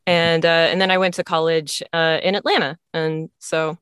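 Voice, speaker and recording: Smooth, low-voiced Southern-raised woman. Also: little pitch movement, moderate pace, fairly bright tone, no room sound, studio quality. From American South. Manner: hesitant, restarts often. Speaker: author guest. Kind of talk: casual interview chat.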